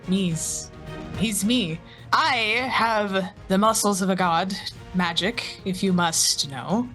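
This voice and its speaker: A woman's voice: mid-range voice, slow pace, fairly bright tone, soft background music. A woman voicing a boastful, dim-witted pirate navigator who brags and stumbles over words. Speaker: player.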